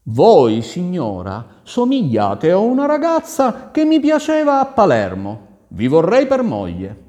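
A man's voice: high-pitched, huge pitch swings, unhurried, dark tone, long reverb tail, voice pushed up, exaggerated voice. A man voicing a young king's son, smitten and naive, with courtly, earnest speech.

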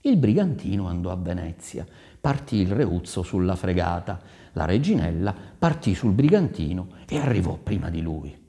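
A man reading a folk tale aloud in an animated, expressive way with dramatic pauses. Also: low voice, gravelly. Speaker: storyteller.

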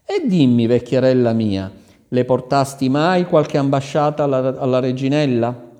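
A man's voice: mid-range voice, normal speed, mellow, natural voice. A man voicing a clever young woman disguised as a viceroy, questioning and giving orders, in a long reverberant hall. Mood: commanding. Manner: commanding, questioning.

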